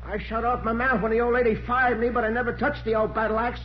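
An actor playing a defiant, rough-talking fired chauffeur, blunt and slangy, in a 1940s radio drama. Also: male voice, very high voice, flat delivery, quick pace. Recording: muffled, hissy old radio recording.

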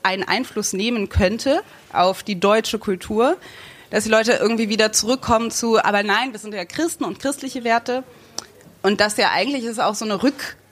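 A woman's voice: medium pitch, normal speed. Hesitant young woman, thinking aloud. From Germany, raised bilingual. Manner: hesitant, searching for words with many fillers. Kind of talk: casual chat.

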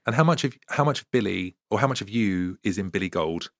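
A man interviews casually as a podcast host, effusive and encouraging. His voice is low with plenty of vocal fry, and he talks at a fast clip. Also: animated, dry recording, studio quality.

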